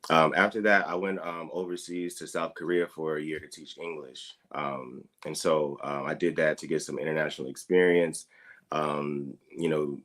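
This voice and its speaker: Very deep-voiced man, slow and measured. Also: steady tone, fairly bright tone. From Dayton, Ohio, US Midwest. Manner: explains slowly with many fillers. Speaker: guest. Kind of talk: casual interview talk.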